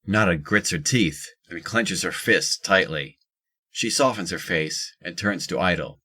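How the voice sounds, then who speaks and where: Low-pitched audio drama narrator. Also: a little slow, pushed and bright, breathy edge. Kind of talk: scripted narration of stage action.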